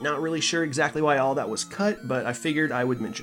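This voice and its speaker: Music plays behind a man whose fairly high voice moves with lively intonation. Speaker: retro game reviewer. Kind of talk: casual talk to camera.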